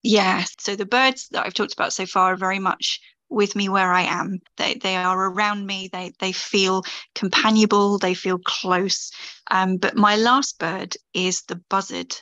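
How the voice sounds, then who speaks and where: A woman's voice: medium pitch, fairly even intonation, measured pace, sharp tone, dry recording, lo-fi sound. A woman guest in a casual interview, speaking with enthusiasm and frequent restarts. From England. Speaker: podcast guest, writer.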